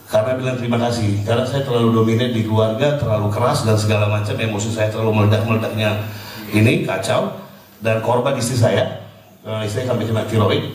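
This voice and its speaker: A man's voice: mid-range voice, heavy reverb, recorded from a distance, a little hiss or hum, rough recording. A middle-aged man sharing a personal spiritual testimony in a loose, casual way, mixing in English words and chuckling at himself.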